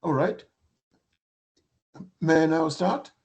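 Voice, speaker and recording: Older male academic lecturer, hoarse, high-pitched, halting delivery over a video call. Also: darkish tone, highs cut off. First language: Russian. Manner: halting, with many fillers and restarts. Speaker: guest lecturer.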